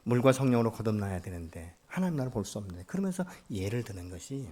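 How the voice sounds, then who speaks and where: Animated Korean pastor preaching. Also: male voice, fairly low pitch, breathy edge. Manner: dramatic storytelling, shifts from loud to soft whispers. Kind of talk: sermon.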